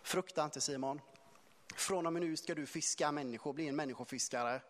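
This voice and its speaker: A man voicing a calm, firm adult male teacher who urges and reassures. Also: a little high, big-room sound, voice pushed down, natural voice. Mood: reassuring.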